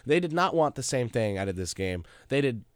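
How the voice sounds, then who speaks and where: A young man joins a sports chat, playful and building long, step-by-step arguments. His pitch sits mid-range. The sound is dry and close. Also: big pitch swings, brisk, smooth, no echo. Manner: playful, explains in long reasoning runs. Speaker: podcast co-host. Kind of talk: casual sports talk.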